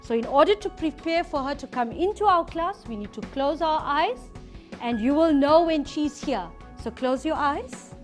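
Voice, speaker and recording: A woman teaching a reading lesson to a class, lively and playful. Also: high-pitched, moderate pace, soft background music. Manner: lively, switching to a playful storyteller persona.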